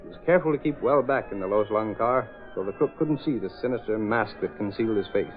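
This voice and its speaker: A male narrator telling a story in crisp, dramatic 1930s radio style. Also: on the low side, quick pace, soft background music. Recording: tinny lo-fi old radio transcription.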